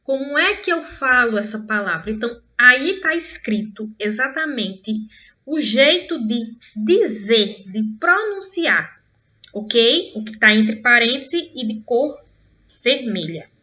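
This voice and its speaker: A Brazilian woman teaching English to children, drawing out each English word slowly and often checking in with the class. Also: a little high, very animated, bright, forceful tone, muffled recording. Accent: Brazilian Portuguese. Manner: slow, drawn-out modelling of English words. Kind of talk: online class for young pupils.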